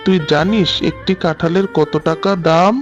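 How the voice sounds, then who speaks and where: A man voicing a gruff, stingy tiger uncle who sells fruit in a cartoon, brushing off a customer with scolding words. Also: on the high side, steady tone, normal speed, lo-fi sound, soft background music, close to an everyday voice. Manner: scolding, dismissive. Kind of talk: cartoon voice acting.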